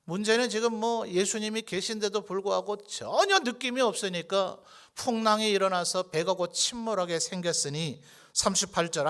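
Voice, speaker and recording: A male pastor delivers a Sunday sermon into a microphone in a church. His voice is bright and forceful and sits a little high. He preaches emphatically, firing questions at the congregation. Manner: drops to a whisper for tender points. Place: church sanctuary.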